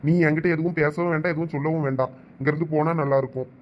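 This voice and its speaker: A man's voice: a little high, fairly even intonation, rapid-fire, a little hiss or hum, lightly acted. A man voicing a hurt but reassuring young boyfriend in a cartoon, with a Thoothukudi Tamil accent. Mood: firm. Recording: dull lo-fi sound.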